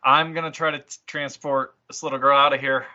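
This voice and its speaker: Bright-voiced man playing a tabletop game. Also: medium pitch, little pitch movement, fairly quick, highs cut off. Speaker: player in a tabletop roleplay podcast. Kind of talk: casual game chat with in-character lines.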